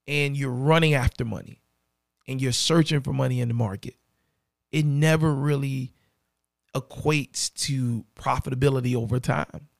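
A man with a raspy voice and a dry throat, hosting a podcast and speaking earnestly and directly to the listener. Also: medium pitch, dry recording. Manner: earnest, repeats key phrases, addresses listener directly. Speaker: podcast host. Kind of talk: motivational podcast monologue.

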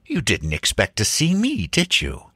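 A blustering baronet from a comic storybook, acted out by a man reading aloud. He exclaims with aristocratic indignation and effusion, his pitch swinging widely upward. The sound is dry. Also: huge pitch swings, unhurried, pushed and bright, slightly rough, no echo, heavily acted. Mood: indignant, commanding. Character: blustering, red-faced old baronet, indignant then effusive.

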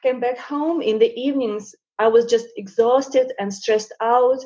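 In this laid-back interview, the guest is a painter in her thirties, born in Russia and a native Russian speaker, who hesitates often and leans on fillers. She talks unhurriedly in a fairly high, dark-toned voice, and the audio has its highs cut off.

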